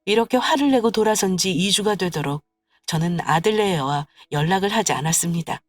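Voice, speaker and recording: A woman narrating a scripted story in a plaintive, measured way. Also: lowish voice, animated, no echo, soft background music.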